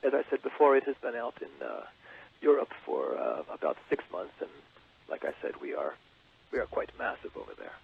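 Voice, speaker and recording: A man calling in as a swaggering, self-important rock frontman who boasts with halting pauses. His gravelly voice swings up and down in pitch, and it comes through a tinny, hissy phone line. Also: sing-song, heavily acted. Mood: pompous. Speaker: caller. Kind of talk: comedic call-in character.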